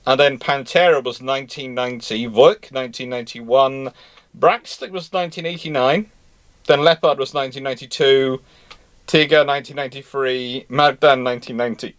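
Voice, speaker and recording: A man's voice: mid-range voice, steady tone, moderate pace, fairly bright tone. A man in a casual live discussion of naval history, talking in a detailed, pedantic way. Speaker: live show panellist answering naval history questions.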